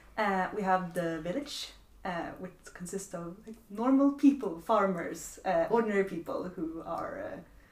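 A woman with a Swedish accent speaks at a fairly slow pace, with big swings in loudness. Background noise is noticeable. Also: medium pitch for a woman, ordinary pitch variation. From Sweden. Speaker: larp organizer. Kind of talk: podcast interview. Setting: festival venue.

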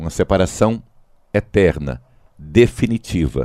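A man's fairly low-pitched voice, with a dry, close sound with no echo, on a very clean recording with a silent background. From Rio de Janeiro, Brazil. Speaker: pastor. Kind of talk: sermon-like teaching in a chat. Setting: radio studio, streamed on YouTube.

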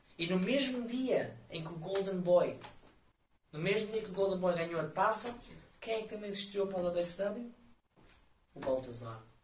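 With audible room echo, a man speaks in a high pitch with lively intonation, leaving long, frequent pauses. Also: moderate pace, big swings in loudness. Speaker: professional wrestler. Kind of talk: in-character interview.

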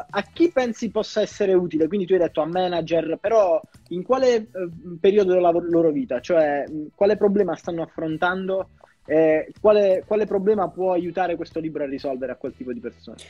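With music in the background, a man speaks quite quickly at a high pitch with ordinary pitch variation. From Basilicata, southern Italy. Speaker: guest, book enthusiast. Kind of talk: casual chat about books. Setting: video call.

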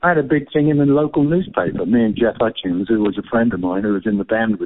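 A man with an English Midlands accent, medium pitch, lively intonation and a fairly quick pace. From England, Northampton. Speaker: former band musician. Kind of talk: casual chat.

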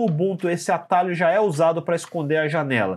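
A man is speaking. His pitch is high for a man. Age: 40s. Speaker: tech YouTuber, software developer. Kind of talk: tutorial.

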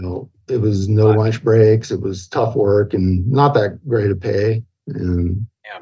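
A man with an American accent talks at a fairly slow pace, with hardly any pauses and a fairly low pitch. His tone is dark, mellow and somewhat breathy, with ordinary pitch variation. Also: big swings in loudness. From Southern California. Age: 40s. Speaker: gecko breeder. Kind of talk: casual interview.

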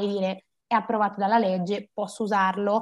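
A woman talks fairly quickly in a somewhat breathy, medium-pitched voice with monotone, flat intonation, on a very clean recording with a silent background. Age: 20s. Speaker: university student. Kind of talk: casual interview.

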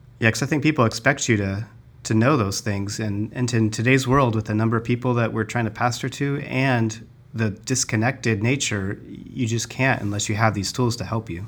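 In a very clean recording with a silent background, a man with an American accent talks in a normal speaking voice at a medium pitch and moderate pace, his intonation fairly even. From Arizona, Tucson. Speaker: church software developer. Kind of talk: casual interview.

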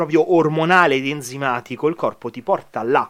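A plain, everyday voice at a fairly quick pace with ordinary pitch variation, on a very clean recording with a silent background. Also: man. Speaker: bodybuilding coach. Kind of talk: casual chat.

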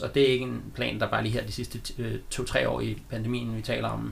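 The man's voice carries audible room echo. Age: 40s. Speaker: IT specialist and activist. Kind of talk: casual chat.

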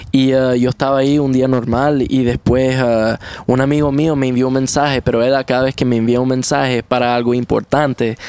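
A man at medium pitch, monotone and flat, fairly quick, with very even loudness and a dry, close sound with no echo. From Canada, English-speaking side, Venezuelan parents. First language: English (speaking Spanish). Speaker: musician and TikToker. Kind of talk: podcast interview.

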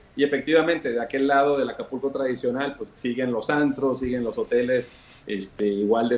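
A man's medium-pitched, unremarkable speaking voice at a fairly quick pace. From Venezuela, Caracas. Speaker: hotel general manager. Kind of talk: podcast interview.

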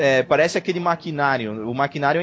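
This man has a fairly high pitch and lively intonation. He talks at a very fast pace. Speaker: game reviewer. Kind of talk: casual chat.

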